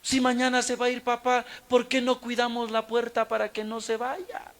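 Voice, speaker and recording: A man's voice: very high voice, flat delivery, moderate pace, fairly bright tone, voice pushed up. A man voicing a pleading teenage girl. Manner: pleading, emotional quoting.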